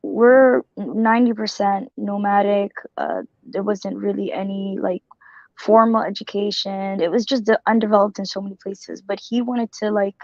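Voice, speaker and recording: A woman's voice: mid-range voice, fairly even intonation, moderate pace, no room sound, dull audio. A woman from Somalia joining an online group discussion, talking in a rambling, earnest way and often correcting herself. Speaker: caller.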